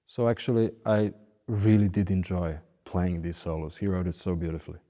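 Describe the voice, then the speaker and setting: A man in his late thirties with a Serbian accent, speaking as an interviewed musician in short, deliberate phrases. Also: low voice, level tone, warm tone. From Belgrade, Serbia. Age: late 30s. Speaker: professional orchestral violinist being interviewed. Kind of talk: interview monologue. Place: large recording hall. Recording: long hall reverb.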